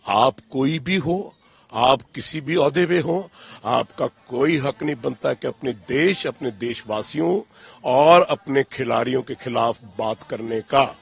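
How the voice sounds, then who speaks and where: Gravelly, husky older man, impassioned. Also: takes it slowly, no room sound. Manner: emphatic, indignant, swings between loud outbursts and low, pained tones. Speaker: interviewee, father of a cricketer. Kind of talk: impassioned interview answers.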